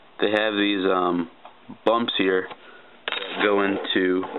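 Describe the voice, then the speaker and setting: A man speaks in a fairly low, flat monotone over noticeable background noise. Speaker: gear reviewer. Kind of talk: product review talk to camera. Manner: hesitant, stuttering, many fillers.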